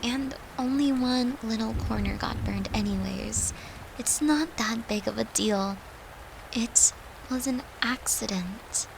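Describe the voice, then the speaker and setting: A woman playing a worried, tender girlfriend in an intimate audio roleplay, speaking softly and coaxingly, with some hesitation. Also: fairly high pitch, slow pace, gravelly, noisy background. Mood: gentle, reassuring. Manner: soft, coaxing, hesitant, sometimes whispery.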